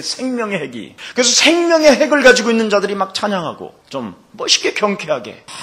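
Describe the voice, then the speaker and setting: Male pastor, middle-aged, lively sermon delivery with a high, very mobile voice. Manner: animated preaching, acts out quotes and sings snatches of hymns. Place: church sanctuary.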